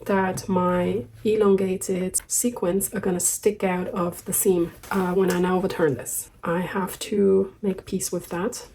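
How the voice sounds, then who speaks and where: A woman's voice: lowish voice, level tone, unhurried, few pauses, mellow, a little hiss or hum. A woman from Austria, talking casually through a sewing project, her voice a little sick. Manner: chatty, self-deprecating asides. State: slightly sick voice. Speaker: sewing vlogger. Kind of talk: casual sewing vlog narration.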